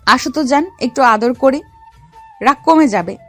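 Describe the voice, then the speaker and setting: A woman's voice: high voice, animated, moderate pace. A woman playing a bold young female gangster and secret officer in a dramatized love story, commanding yet affectionate. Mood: tender, determined. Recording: music under the voice.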